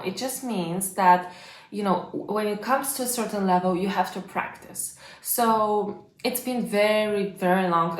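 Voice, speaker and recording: Chatty young woman, echoey room. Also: fairly low pitch. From Bulgaria. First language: Bulgarian. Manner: chatty, lots of fillers like "like" and "you know". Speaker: language coach. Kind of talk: casual advice lesson to camera.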